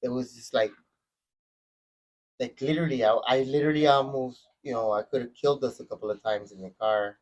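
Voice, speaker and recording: A man in a casual podcast chat, telling his story in a halting, roundabout way and swearing now and then. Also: medium pitch, steady tone, lo-fi sound. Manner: halting, many fillers and restarts, swears. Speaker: podcast guest.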